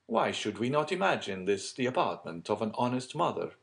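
A man voicing a suave middle-aged count from a storybook, speaking in a deliberate, dramatic and darkly insinuating way. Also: mid-range voice, very animated, gravelly, voice pushed up. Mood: smoothly suggestive.

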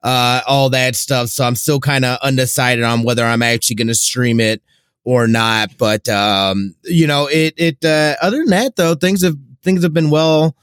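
Male co-host, clean smooth voice, mid pitch, easy informal talk. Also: fairly even intonation, normal speed, a bit bright, no room sound, studio quality. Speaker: podcast co-host. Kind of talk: casual chat.

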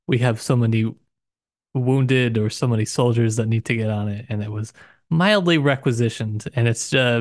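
A man co-hosting a casual book chat in an informal, halting, wry manner. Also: mid-range voice, no room sound, studio quality. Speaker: podcast co-host.

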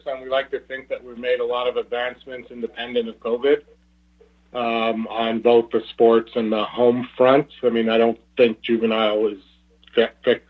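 A man speaking as a company executive on an earnings call, in a halting, hesitant way with repeated words. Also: medium pitch. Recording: tinny narrow phone-line conference call.

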